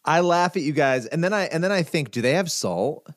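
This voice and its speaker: A man's voice: a little high, lively intonation, no echo, clean studio sound. A man who grew up in upstate New York, chatting playfully as a guest journalist on a podcast. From Rochester, New York. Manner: playful, quick to laugh. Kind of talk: casual interview chat.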